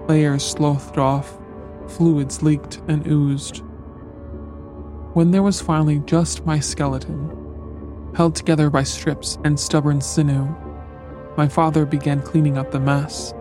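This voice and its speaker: Guy reading a scary story out loud, kinda high voice, slow dramatic telling, quiet music behind. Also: little pitch movement. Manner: measured, dramatic storytelling pace. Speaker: horror story narrator. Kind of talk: scripted first-person horror narration. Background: faint background music.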